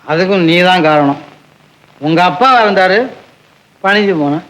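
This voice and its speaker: A man's voice: high voice, a little slow, poor audio. A man playing a film hero in 1960s Tamil cinema, speaking in declamatory dialogue. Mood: lamenting. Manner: declamatory, lamenting then tender. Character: man who faked being a drunkard to win back his love. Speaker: film hero, the woman's lover. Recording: old film soundtrack with loud music.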